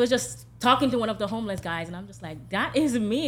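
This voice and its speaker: A woman with a Haitian accent talks at a very fast pace, her pitch swinging very widely, with vocal fry. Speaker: reality show cast member. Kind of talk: casual chat. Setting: studio.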